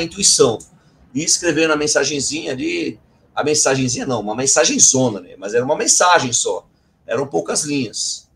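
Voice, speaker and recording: A man's voice: fairly high pitch, gravelly, a bit bright, a little hiss or hum. A middle-aged man, an Umbanda medium sharing a personal testimony with his viewers in an earnest, self-correcting way. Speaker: Umbanda medium and channel host.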